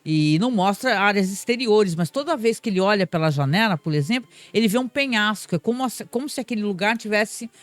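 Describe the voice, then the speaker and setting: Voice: medium pitch, expressive, brisk, hardly any pauses, dry recording. A speaker with a Brazilian Portuguese accent casually recapping a TV episode, tagging phrases with "né?" and acting out the characters' lines. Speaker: film and TV reviewer.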